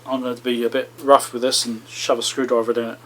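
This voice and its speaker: A man's voice: mid-range voice, flat delivery, fast talker, a little hiss or hum. A man hosting a repair video, casually talking himself through the work with chatty asides to viewers. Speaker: electronics repair channel host. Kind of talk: casual running commentary while repairing.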